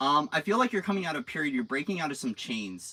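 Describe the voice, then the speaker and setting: Loud and with very wide pitch swings, a man speaks. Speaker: tarot reader. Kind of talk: live stream tarot reading. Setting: live stream. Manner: talking loudly.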